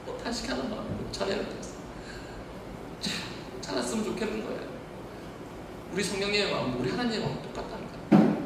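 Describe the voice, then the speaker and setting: A pastor delivers a sermon in a church hall, his high, gravelly voice animated and fast, broken by long pauses as he poses question after question to the congregation. The recording is very noisy, with an echoey hall and a distant voice.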